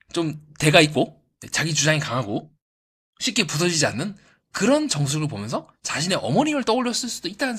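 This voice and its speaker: A man's voice: on the high side, breathy edge. A man giving an analytical commentary on a reality show, asking rhetorical questions and answering them himself. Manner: lively, acts out quoted voices. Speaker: YouTube psychoanalysis commentator.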